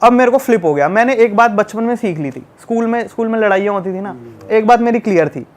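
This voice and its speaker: Young male podcast guest, high-pitched, lively storyteller who acts out scenes. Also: fast talker. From Delhi, India. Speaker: travel YouTuber guest.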